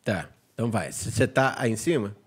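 Excitable fast-talking man. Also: on the low side, husky. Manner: excitable, shouts and laughs often. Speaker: gaming channel host. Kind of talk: excited gameplay chat.

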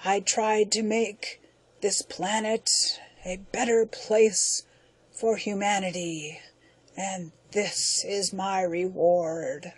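A woman reading the part of a dying alien overlord, speaking slowly in a gasping, bitter way. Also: mid-range voice, steady tone, slightly rough, no room sound.

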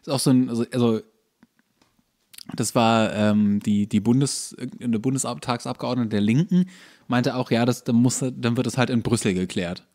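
A man's voice: mid-range voice, fairly even intonation, normal speed, darkish tone. A man co-hosting a podcast in casual comedic chat, ranting with sarcasm and exasperation. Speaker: podcast host.

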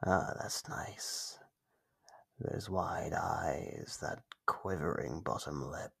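A man voicing an ancient monster under the bed in an ASMR roleplay, playful, taunting and menacing, with a breathy, gravelly half-whisper. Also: very deep voice, a bit bright, full character voice. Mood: gloating menace. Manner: slow, teasing, menacing.

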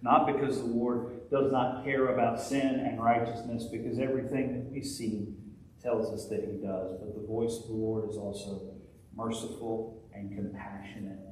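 A man's voice: mid-range voice, little pitch movement, moderate pace. Young male pastor, impassioned sermon delivery with big upward swings, recorded from a distance in a very reverberant hall. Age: young adult. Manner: impassioned preaching, voice climbing sharply on emphatic points. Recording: very echoey hall, distant mic, faint noise.

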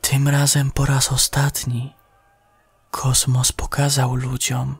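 A man narrating a scripted sci-fi horror audio story in a solemn, measured way. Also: medium pitch, completely flat delivery, husky, no room sound. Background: music behind the voice.

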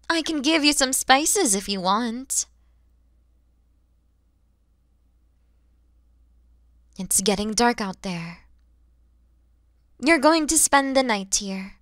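Woman voicing a bright, expressive motherly dragon lady. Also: a little high, no room sound, studio quality. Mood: caring, gentle. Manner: expressive, teasing, gentle, addressing the listener directly. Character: kind motherly dragon woman, mature, playful, easily flustered. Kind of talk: ASMR audio roleplay acting.

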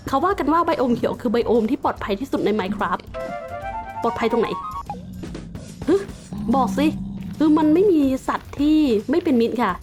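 Her voice is on the high side and very animated. She speaks at normal speed, pauses often, and has music playing behind her. She's a Thai woman and gaming YouTuber commenting on her Minecraft play, trading mock-villain jabs for polite game explanations with polite sentence endings.

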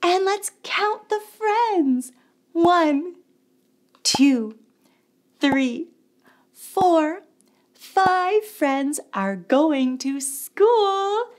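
A woman's voice: very high voice, expressive, extremely slow, long pauses. A young woman hosting a toddler show, teaching in a playful sing-song way and making animal sounds. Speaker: children's show host.

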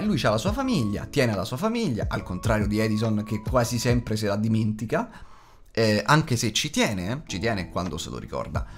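A man, giving a casual, unscripted film review in a blunt, colloquial way. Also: fairly low pitch. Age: 20s. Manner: blunt, colloquial, freely swearing. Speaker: film reviewer, channel host. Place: small foam-treated home studio indoors. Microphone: large studio condenser microphone.

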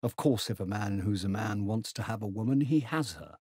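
A man voicing a contemptuous, combative English gentleman in a novel, speaking bluntly and emphatically. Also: fairly low pitch, a little fast, husky, no room sound, clean studio sound. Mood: emphatic, disdainful.

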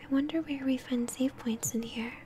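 A young woman whispering gently as she hosts an ASMR let's-play, commenting on a game. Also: high-pitched, steady tone, moderate pace, faint music behind. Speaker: host, gamer. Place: small room at home, indoors.

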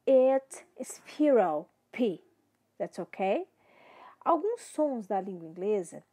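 A woman with a Brazilian accent teaching English pronunciation, slowly repeating words to demonstrate the sounds. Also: on the high side, darkish tone. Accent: Brazilian Portuguese. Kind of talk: slow, deliberate lesson to camera.

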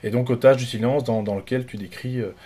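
A man's voice: mid-range voice, steady tone, fairly quick, dark tone, husky. A man in his forties hosting a casual interview from a small home room, talking hesitantly with many fillers and restarts. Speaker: host.

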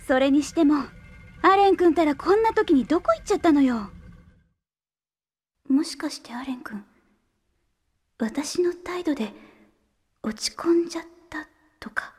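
A decisive young woman leading her team in an anime radio play. Her voice is very high, and she comes across as caring and quick to take charge. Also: expressive, a little mellow. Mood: pensive. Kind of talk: anime audio drama acting.

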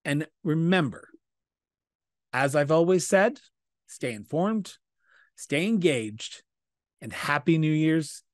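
Canadian podcast host, dry close studio mic. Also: male voice, a little high, lively intonation, slow, long pauses, no room sound. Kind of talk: podcast interview and outro. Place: small studio indoors. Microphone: studio mic on stand with headphones.

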